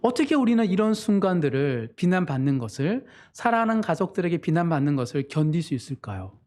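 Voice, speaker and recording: A man's voice: sing-song, quick pace, a little mellow. A man preaching a Sunday sermon as pastor, in an earnest manner. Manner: earnest preaching, voices quoted family members with sudden pitch jumps.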